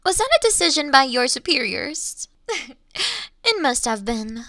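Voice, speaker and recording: A woman acts out an elegant, teasing female monster from a Victorian fantasy audio drama. She speaks slowly and formally, in a crisp, bright, fairly high voice that often softens to a breathy whisper, mocking her prey with refined menace. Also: sing-song, no room sound, studio quality, heavily acted. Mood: condescending, teasing. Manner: slow, mocking, teasing, formal old-fashioned diction.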